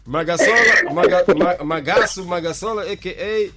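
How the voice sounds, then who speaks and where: Radio host, chatty and friendly. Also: male voice, high voice, normal speed, music in the background. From Mozambique. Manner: friendly, chatty, repeats callers' words. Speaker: radio host taking calls. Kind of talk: call-in radio show.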